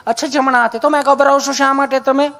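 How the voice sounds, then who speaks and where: A man voicing a sweet-talking female nurse who asks gentle, coaxing questions. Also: sits high, fairly even intonation, fast talker, pitched above the performer's own voice.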